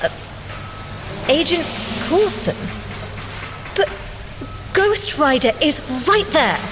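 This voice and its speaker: An actress playing a brainy, dry, teasing young scientist agent in audio drama banter, speaking precisely. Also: female voice, extremely high pitch, sing-song, slow, music in the background, full character voice. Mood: incredulous, teasing. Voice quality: precise, wry delivery.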